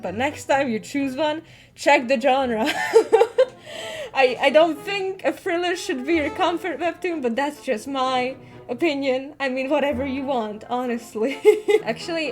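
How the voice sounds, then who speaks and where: A woman webcomic artist chatting casually as she answers fan comments, laughing often and swearing freely. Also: on the high side. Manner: giggly, chatty, laughs often between sentences. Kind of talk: casual Q&A chat.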